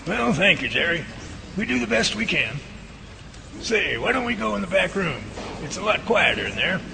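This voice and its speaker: A man's voice: sing-song, moderate pace, creaky, heavily acted. A man playing a friendly, earnest science professor in an amateur radio drama, speaking in a genial, folksy, explanatory way. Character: friendly, earnest male science professor running Bigfoot lab. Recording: very noisy track, loud ambient rumble.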